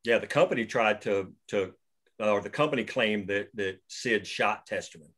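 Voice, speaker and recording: A man's voice: fairly low pitch, moderate pace, fairly bright tone. A man hosting a table read, talking casually about the script with many restarts, over a video call. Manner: rambling, with many restarts and fillers.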